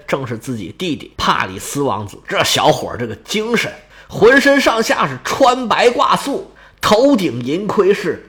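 Animated male storyteller. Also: a little high. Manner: animated, dramatic, playful, switches voices for characters. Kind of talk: storytelling in a lively, colloquial style.

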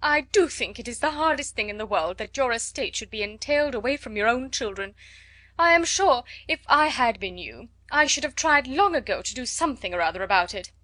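A fussy, excitable middle-aged mother, as a woman reader puts her on, her voice pushed loud and a little high with fretful exclaiming. The reading is dry and close, with no room sound at all. She sounds like a storybook character who is always in a flutter. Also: brisk, dry recording. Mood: fretful excited. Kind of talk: audiobook character voice.

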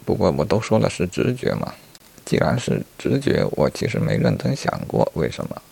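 A man's voice: low voice, very animated, normal speed, creaky, darkish tone, slightly rough, pitched above the performer's own voice, full character voice. A man telling a story and voicing a talkative male rabbit who reasons earnestly about the meaning of his life before death. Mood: earnest musing.

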